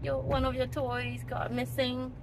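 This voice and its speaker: A woman's voice: sits high, completely flat delivery, a little slow. A woman casually narrating a family travel vlog, chatty and pointing things out as she films on her phone. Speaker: family vlogger. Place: in a car, outdoors and in a restaurant. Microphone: phone camera at arm's length. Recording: loud background noise.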